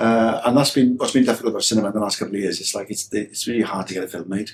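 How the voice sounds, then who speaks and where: Talking at a very fast pace, a man with a South Welsh accent keeps a fairly even intonation at a medium pitch. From South Wales. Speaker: film director. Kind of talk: interview conversation. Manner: halting, many repeated words.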